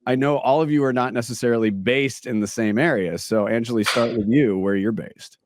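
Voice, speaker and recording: A man hosting a casual interview, a little raspy and hoarse. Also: medium pitch, fairly quick. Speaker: podcast host.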